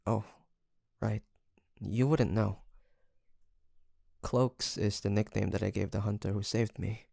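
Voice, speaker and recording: A man acts out a wounded, tender-hearted hunter in an intimate roleplay drama. His mid-pitched voice is slow and creaky, with soft, hesitant phrasing. The sound is very dry and close, as if confiding in one listener. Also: steady tone, no room sound, exaggerated voice. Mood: sad, confiding. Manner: hesitant, halting, sighing, soft-spoken. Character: weary, guarded young demon hunter, tender and wounded.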